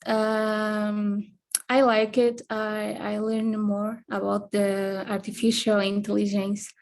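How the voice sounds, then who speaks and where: A woman student, asking a question haltingly and searching for words in English. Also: mid-range voice, level tone, vocal fry, darkish tone. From Portugal. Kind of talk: asking a question in an online session.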